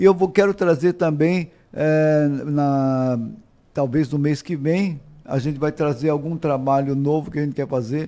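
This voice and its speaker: At a fairly slow pace, a man with a fairly high pitch speaks in a dark, mellow tone. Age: 60s. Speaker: city culture secretary. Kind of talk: radio interview. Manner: halting, repeats words.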